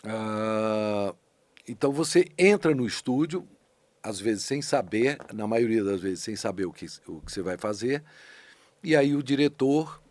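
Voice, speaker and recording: A middle-aged man with a Brazilian Portuguese accent, a voice actor being interviewed in a studio, speaking thoughtfully and with lively emphasis. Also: fairly low pitch, unhurried, dry recording. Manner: thoughtful, animated, with frequent restarts and rising emphasis. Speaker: voice actor and dubbing director, guest. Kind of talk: casual conversational interview. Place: podcast studio.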